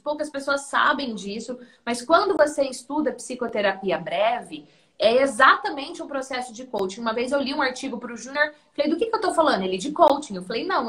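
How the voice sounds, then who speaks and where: A woman from Brazil, hosting a live stream about her coaching course and telling stories in an animated way. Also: on the high side. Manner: animated storytelling, acts out quotes. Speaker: host and coaching instructor.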